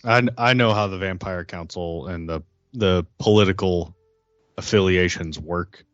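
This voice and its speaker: A very low, slightly dull recording of an earnest vampire insider, played by a man. He talks haltingly and guardedly, circling back over his phrases in a role-play game. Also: no room sound. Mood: uneasy, confiding. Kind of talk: improvised role-play dialogue.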